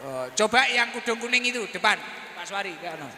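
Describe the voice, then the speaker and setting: A man's voice: high-pitched, expressive, quick pace, pushed and bright. A man, a preacher who chats with and teases people in the crowd of a religious gathering, speaking into a handheld mic. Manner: chatty, teasing, questions people in the crowd. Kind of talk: lively crowd interaction and sholawat chanting. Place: large venue with a congregation. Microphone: handheld microphone. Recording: echoey hall with faint noise.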